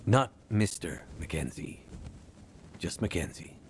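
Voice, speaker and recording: An actor playing a weary, guarded middle-aged bush pilot in a video game, speaking tersely and with hesitation. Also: male voice, deep voice, expressive, measured pace, a little hiss or hum.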